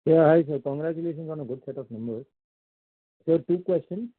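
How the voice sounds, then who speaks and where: A man's voice: a little high, no echo. Muffled man on phone line. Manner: polite, halting, many fillers. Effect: muffled voice, as if through a wall. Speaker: analyst caller on an earnings call. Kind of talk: conference call questions.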